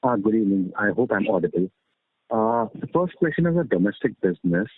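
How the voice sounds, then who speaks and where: Husky low-voiced man on the phone. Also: big pitch swings, fairly quick, no echo. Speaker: analyst asking questions. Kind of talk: questioning on an earnings call. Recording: dry, muffled narrowband phone line.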